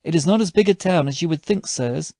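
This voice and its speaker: Man reading as a creaky-voiced, talkative country landlord. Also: a little high, brisk, mellow, no room sound, clean studio sound. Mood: matter-of-fact. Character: talkative, matter-of-fact country landlord telling local lore.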